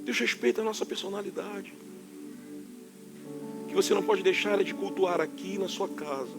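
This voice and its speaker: A man from Rio de Janeiro with a Carioca accent, preaching a sermon to his church in a forceful, emphatic way that can sound like scolding. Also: high voice, moderate pace, over music. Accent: Carioca Portuguese. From Rio de Janeiro, Brazil. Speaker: pastor.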